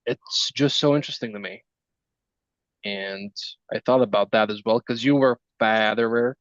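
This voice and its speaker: A man's voice: fairly low pitch, normal speed, no room sound. A man in his early twenties chatting casually, teasing and laughing often. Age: 20s. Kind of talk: casual chat. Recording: dull, slightly lo-fi sound.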